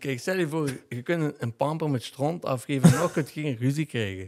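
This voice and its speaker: Against a quiet background, a man talks at a fairly quick pace with hardly any pauses. His pitch is fairly high, with ordinary variation. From Belgian Limburg, Genk; Belgium. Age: 30s. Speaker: comedian; podcast guest, comedian. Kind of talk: casual chat; interview answer. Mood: lively, animated storytelling. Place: studio. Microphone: studio mic.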